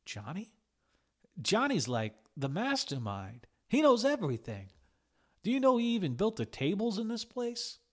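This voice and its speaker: A man's voice: sits high, huge pitch swings, normal speed, fairly bright tone, voice pushed up, full character voice. A man voicing an eager, awed male kitchen worker in a story, earnest and emphatic.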